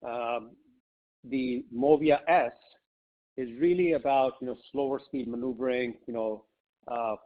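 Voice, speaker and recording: A male company executive answers questions off the cuff on an investor conference call, speaking in a medium-pitched, steady, unhurried voice. He is conversational and often says "you know" and "right." The conference call line makes the audio slightly muffled.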